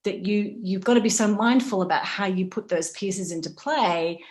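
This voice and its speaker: A woman's voice: medium pitch, normal speed. A woman moderating a panel discussion in a conversational way, thinking aloud in qualified, exploratory phrases.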